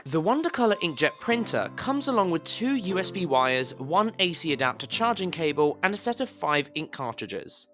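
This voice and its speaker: A voice actor works through a demo reel of scripted commercial and instructional narration, his fairly high, fairly bright voice swinging widely in pitch at a moderate pace with hardly any pauses. His delivery is slightly pushed and over-articulated. It's a roomy, reverberant home recording, with a music bed in places.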